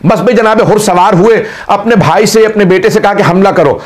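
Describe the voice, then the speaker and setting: Man, high-pitched, mourning sermon, dramatic storytelling, wailing chant. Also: a little fast. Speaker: religious orator. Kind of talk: Muharram majlis narration.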